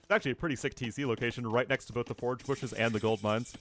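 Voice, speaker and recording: A man commentates a live strategy game match in a relaxed, chatty way, breaking off to answer chat. His voice sits at an ordinary middle pitch. Faint music plays quietly underneath. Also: fast talker. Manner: casual, chatty, thinks aloud with fillers. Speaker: streamer and caster.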